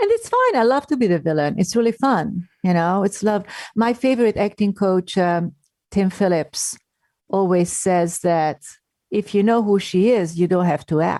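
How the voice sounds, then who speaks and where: The speaker has a Hungarian accent and keeps a moderate pace. Loudness stays very even, with ordinary pitch variation. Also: woman, medium pitch for a woman. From Hungary. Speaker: actress and drama therapist. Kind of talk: interview.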